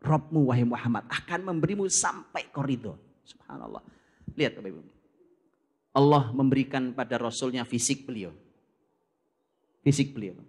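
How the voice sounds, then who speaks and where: A man preaching from scripture, lively and direct, who often turns to his listeners and acts out little dialogues. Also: medium pitch, moderate pace, pauses often, husky. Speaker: Islamic preacher. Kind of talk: Quran study talk.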